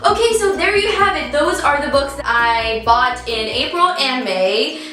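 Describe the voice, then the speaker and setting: Bright, high-voiced teen girl with an Italian accent. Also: animated, unhurried. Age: teens. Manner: chatty, bubbly, addresses viewers directly. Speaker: book vlogger. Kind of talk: casual book haul chat. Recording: echoey room, distant mic, faint music.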